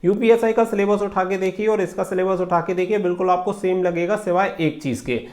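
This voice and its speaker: A man's voice: sits high, fairly even intonation, a little fast, darkish tone. A man giving informal exam guidance as a channel host, explaining and repeating points with English terms mixed in. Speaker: exam preparation coach and YouTube channel host.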